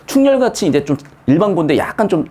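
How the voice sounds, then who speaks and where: A middle-aged man teaching grammar in a casual lecture, asking rhetorical questions and dropping blunt slangy asides. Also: fast. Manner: lively, swings pitch widely, asks rhetorical questions, blunt slangy asides. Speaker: Korean grammar tutor.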